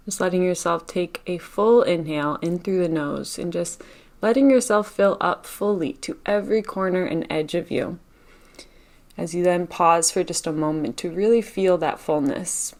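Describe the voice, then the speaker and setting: Guiding a meditation, a woman with a gravelly, somewhat low-pitched voice speaks softly and slowly. Each instruction comes in brief phrases, with long pauses left between them.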